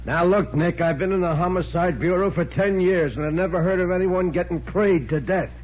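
An actor playing a skeptical, impatient homicide detective, gruff and slangy, in 1940s radio drama style. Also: male voice, sits high, a little fast. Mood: dismissive, insistent. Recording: muffled, noisy 1940s radio recording with hum.

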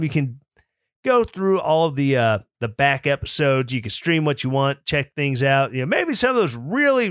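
A man's voice: a little high, fairly bright tone, no echo, clean studio sound. A man hosting his own political commentary podcast, opinionated and mocking, sometimes mimicking opponents in snooty put-on voices. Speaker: podcast host.

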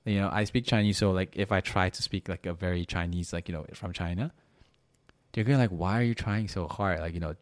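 A young man from Malaysia with a very deep voice, chatting loosely on a podcast. He rambles, restarting his sentences and leaning on fillers. The sound is dry and close. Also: a little fast, no room sound. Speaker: podcast host. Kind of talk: casual chat.

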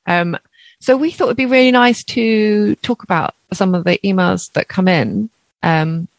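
A woman's voice: medium pitch, unhurried, no room sound. A woman co-hosting a podcast in casual chat, reading out a listener email and laughing often. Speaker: podcast co-host.

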